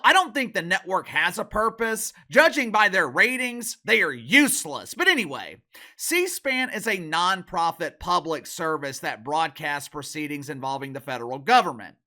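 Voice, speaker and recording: Casting: animated male commentary host, forceful bright tone, mocking and opinionated. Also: a little high. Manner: sarcastic, mocking, emphatic.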